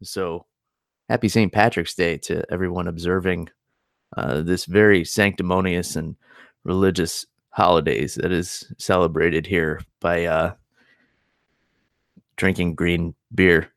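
A young man hosts a chatty podcast, his voice sitting low. He rambles through stories with a self-deprecating streak. The sound is dry and close to the mic. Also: fairly even intonation, unhurried, gravelly, dry recording. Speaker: podcast host. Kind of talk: casual podcast chat.

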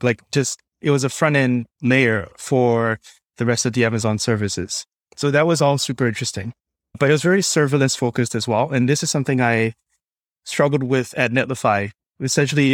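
Male podcast guest, conversational tech explainer, mid-pitched, dry close sound. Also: dry recording. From Singapore. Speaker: podcast guest, developer experience lead.

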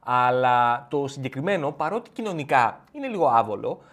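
A young adult man hosting a comic monologue, telling a story with plenty of energy and switching into other people's voices. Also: mid-range voice. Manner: animated, acts out friends' voices. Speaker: comedian host. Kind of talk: stand-up style comic monologue.

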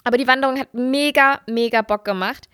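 A woman's voice: high voice, fairly quick, a bit bright, dry recording, studio quality. A woman chatting casually and sharing personal anecdotes as a podcast co-host.

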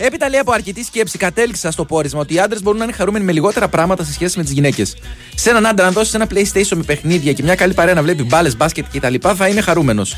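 A man co-hosting a comedy talk show, firing off quick retorts and reading a listener's message. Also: high voice, lively intonation, a bit bright, faint music behind. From Greece. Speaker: co-host. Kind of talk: comedic banter.

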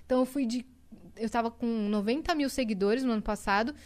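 A young woman guest on a podcast in a studio, telling lively stories and laughing often. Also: fairly high pitch, brisk. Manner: lively storyteller, laughs a lot. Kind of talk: casual podcast chat.

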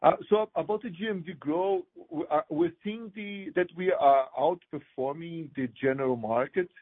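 A man's voice: a little high, breathy edge. A man answering as a company executive, unscripted and often correcting himself, heard over a thin phone line. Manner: halting, self-correcting. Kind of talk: unscripted earnings call answers.

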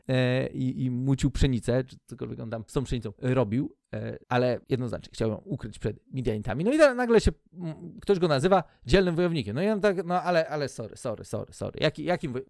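A man's voice: mid-range voice, animated, brisk, darkish tone, dry recording, studio quality. A man giving a casual, joking Bible teaching, retelling the story in colloquial storyteller style.

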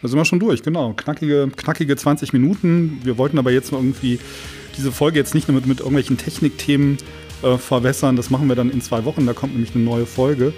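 A man's voice: mid-range voice, darkish tone. A man co-hosting a podcast in a casual, chatty style. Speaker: podcast co-host.

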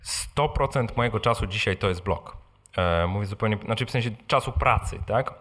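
At a live event with an audience and microphones, a man who blogs hosts an informal question session, answering audience questions conversationally and often tacking on short tag questions. His lowish voice has a fairly bright tone and moderate pace, with slight background noise.

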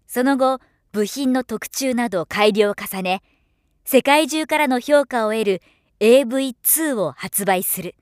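A woman giving scripted narration as a professional voiceover artist, with a measured, polished delivery. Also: on the high side, no echo, clean studio sound.

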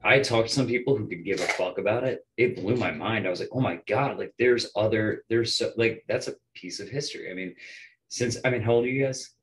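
An American man in his twenties, a musician guest on a podcast, talking in an animated, emphatic way and swearing casually. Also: lowish voice, brisk, a little hiss or hum, rough recording. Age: 20s.

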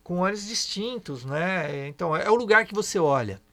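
A man's voice: high voice, animated, normal speed, fairly bright tone. A man, hosting a casual discussion and explaining at length, often checking in with tag questions. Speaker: podcast host and history teacher.

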